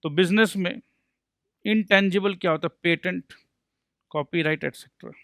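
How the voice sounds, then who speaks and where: A man with a high, bright voice gives a lively accountancy lecture, recorded dry and close. He jokes his way through each point and answers his own questions as if a student had asked them. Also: normal speed, no room sound. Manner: playful, mixes Hindi and English, jokes to explain. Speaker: accountancy teacher.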